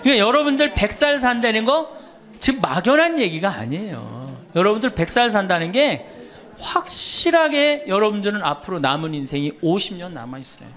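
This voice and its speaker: Lively Korean priest telling funny stories. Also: male voice, high voice, a little fast. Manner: storytelling, quoting others, teasing the audience. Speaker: Catholic priest. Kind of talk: humorous lecture to an audience.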